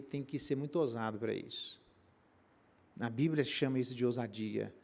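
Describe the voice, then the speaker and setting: A middle-aged Brazilian pastor preaching a Bible exposition, telling stories with colloquial slang and rhetorical questions. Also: male voice, a little high. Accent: Brazilian Portuguese.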